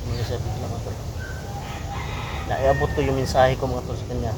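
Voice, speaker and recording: The voice is a man's, of middling pitch, with a Filipino accent. He talks to his viewers casually and familiarly, halting and repeating phrases as he goes. The recording is made outdoors and is clearly noisy with wind. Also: level tone. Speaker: adventure vlogger and host. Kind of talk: casual vlog narration to viewers. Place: outdoors in a windy, quiet spot.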